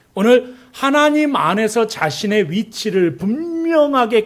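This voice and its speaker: A man in a Chungcheong accent, with an extremely high pitch. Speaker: pastor. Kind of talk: sermon. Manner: animated.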